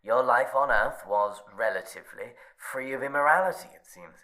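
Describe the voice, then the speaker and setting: A man's voice: mid-range voice, expressive, normal speed, pushed and bright, poor audio. An actor playing a suave, mocking male overseer of a hotel test, silky and teasing, slipping into whispers in a horror audio drama.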